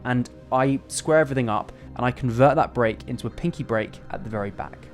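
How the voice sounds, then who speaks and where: A man's voice: mid-range voice, a little fast, faint music behind. A man presenting a casual step-by-step card magic tutorial in instructive, conversational magician patter.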